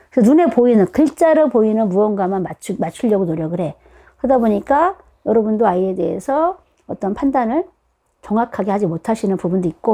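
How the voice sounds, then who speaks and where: A woman giving an explanatory, conversational talk to parents as an educator, animated and often putting questions to her listeners. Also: medium pitch. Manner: animated, acts out short quotes of children and parents.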